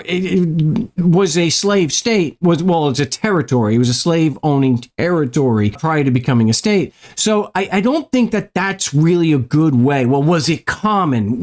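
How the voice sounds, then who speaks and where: A man with an American accent giving a casual, halting monologue as a video host, often rambling and repeating his words. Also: a little high. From North America.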